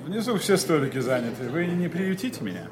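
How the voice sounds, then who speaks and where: An actor playing a suave, menacing secret agent in an audio drama, sly and mockingly courteous in a theatrical way. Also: male voice, on the high side, sing-song, brisk. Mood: falsely courteous. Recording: music behind the voice.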